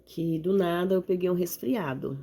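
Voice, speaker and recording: A hoarse woman, giving an earnest devotional talk and reading the Bible aloud. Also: on the low side, normal speed, dark tone. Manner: earnest, repetitive exhortation with tag questions. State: hoarse from a cold. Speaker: lay preacher.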